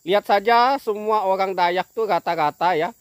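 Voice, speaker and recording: Farmer-vlogger, male, slightly high voice, one sound mispronounced, dry close sound, apologetic and repetitive. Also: smooth, dry recording. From Kalimantan, Indonesia. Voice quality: speech impediment, cannot pronounce one sound. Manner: apologetic, repetitive, fills pauses with "nah". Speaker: oil palm farmer and vlogger. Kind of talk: casual talk to camera. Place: outdoors in an oil palm plantation.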